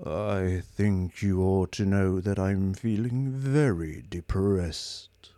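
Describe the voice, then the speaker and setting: Man voicing a depressed robot, droning, mournful, very slow. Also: fairly low pitch, dark tone, no room sound. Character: gloomy depressed male robot, slow and hopeless.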